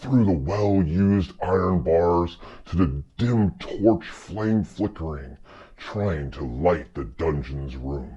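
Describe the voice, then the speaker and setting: A man's very deep, low voice at a fairly slow pace. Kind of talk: dramatic fantasy narration. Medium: solo performance. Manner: slow, suspenseful.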